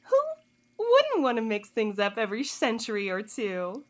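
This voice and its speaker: Woman playing a high, swooping, smug informant. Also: wildly swooping pitch, normal speed. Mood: cool, philosophical. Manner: teasing, condescending, theatrical drawl. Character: sly, smug woman informant, coolly taunting her interrogators. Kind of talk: audio drama acting.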